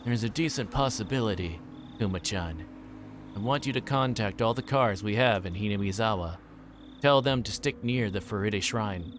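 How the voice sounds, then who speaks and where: A man's voice: on the low side, moderate pace, slight background noise, lightly acted. A man reading aloud the part of a folksy, self-deprecating older detective in a visual novel, musing to a junior colleague. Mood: decisive.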